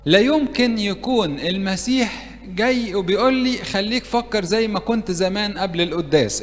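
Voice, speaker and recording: Lively Egyptian priest in echoing hall. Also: male voice, sits high. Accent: Egyptian Arabic. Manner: lively, asks the audience questions and acts out prayers. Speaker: priest preaching to university youth. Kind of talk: interactive sermon. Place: church meeting hall.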